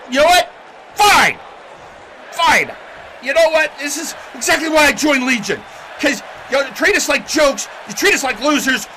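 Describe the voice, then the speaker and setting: A man's voice: very high-pitched, pushed and bright, a little hiss or hum, pitched above the performer's own voice, exaggerated voice. A man playing an angry, frustrated wrestler ranting in a promo, stammering with exasperation. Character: furious, frustrated male wrestler ranting in the ring.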